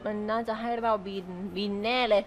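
A woman's voice: fairly high pitch, flat delivery, a little fast. A woman gaming streamer giving casual gameplay commentary, chatty and giggly as she talks to her viewers.

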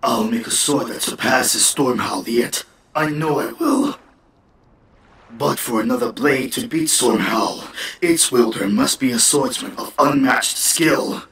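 A man's voice: mid-range voice, measured pace, a bit bright. A man voicing a solemn, devoted armored swordsmith in a fan dub of an anime game, recorded roomy and distant. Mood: pleading.

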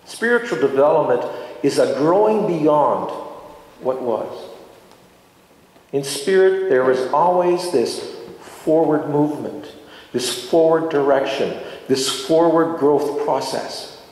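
A middle-aged man, a priest, giving a sermon in a deliberate, reflective way with pauses between short phrases. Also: fairly high pitch, lively intonation, darkish tone. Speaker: priest preaching a homily. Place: large stone church, indoors. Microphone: microphone on a stand at the lectern. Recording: very echoey church with long reverb.

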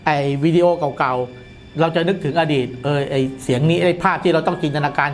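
High-pitched, fast-talking middle-aged man. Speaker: guest commentator on a horror show. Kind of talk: casual explanatory studio chat. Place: indoor studio, seated at a desk.

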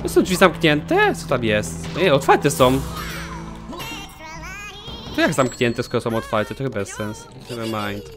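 A man's voice: medium pitch, a little slow, long pauses, over music. A young man commenting casually on his own gameplay, joking and swearing at himself. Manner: animated, swears a lot, jokey self-talk. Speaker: gaming channel host. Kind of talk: let's play commentary.

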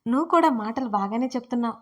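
A woman's voice: a little high, lively intonation, quick pace, muffled recording, lightly acted. A woman voicing a shy young bride. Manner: shy, soft-spoken.

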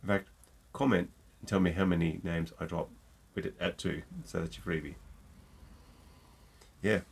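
A man's voice: low voice, fairly even intonation, normal speed, creaky, a little hiss or hum. A middle-aged man with a stuffy nose from a cold, chatting jokily to camera from a room at home, close to a desk mic. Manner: chatty and jokey, with many ums. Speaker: gin reviewer. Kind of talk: casual tasting chat to camera. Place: home room with shelves of bottles.

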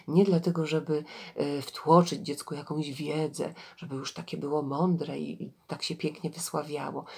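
A woman who teaches about children's reading, talking gently to parents and reading a fable aloud in an animated storytelling way. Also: deep voice, gravelly, slightly rough.

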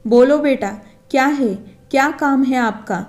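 A calm elderly dance master speaking with gentle authority, voiced by a woman. The voice sits high and mellow. It is a storybook reading. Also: measured pace.

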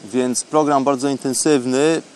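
A man with a mid-range voice delivers an unscripted diary-style monologue as a programme host. He phrases things haltingly and reflectively. Faint ambient noise sits behind the voice. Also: mid-range voice, steady tone, darkish tone.

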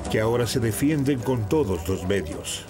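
A man giving measured, scripted documentary narration. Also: on the low side, expressive. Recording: voice-over with music underneath.

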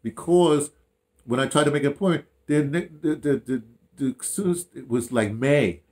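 An older man with an American accent chats casually, telling stories in an animated, rambling way with repeated phrases and slangy asides. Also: mid-range voice, normal speed. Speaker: interviewee, audio dramatist. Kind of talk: casual chat, storytelling. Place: small room indoors, seated.

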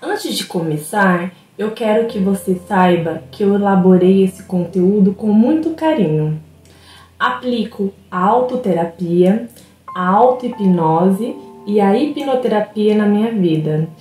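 A woman with a Brazilian Portuguese accent guiding a self-hypnosis meditation in a slow, soothing, instructive way. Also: medium pitch, expressive. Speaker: hypnotherapy guide. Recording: roomy echo with soft music behind.

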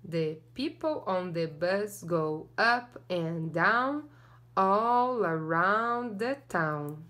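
Her voice is on the low side yet animated, bright, and forceful, though she speaks very slowly. The young teacher reads a picture book to children and sings along cheerfully in a sing-song style, filmed in a small corner of a classroom.

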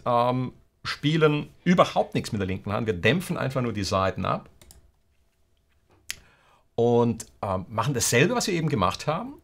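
A man's voice: mid-range voice, creaky. A man teaching a guitar lesson, explaining strumming rhythms and counting the beats aloud. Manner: counts beats aloud and sings snippets of rock songs while explaining. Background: guitar playing.

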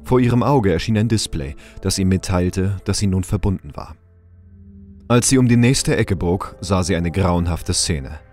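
A man's voice: low voice, moderate pace, a little mellow, soft background music. A man giving scripted narration for an audio drama.

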